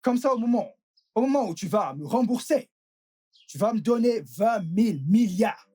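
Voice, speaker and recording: Actress as greedy loudmouth woman, raspy, lively ups and downs, dubbed drama. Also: fairly high pitch, moderate pace. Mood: bargaining. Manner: stammering, squabbling. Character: loud, greedy woman chasing her money.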